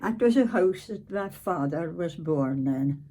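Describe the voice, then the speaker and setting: An elderly woman from north-east Scotland speaks with a Doric accent, reminiscing in an informal interview and giving short, plain-spoken answers. Her voice is lowish and mellow, animated but a little slow.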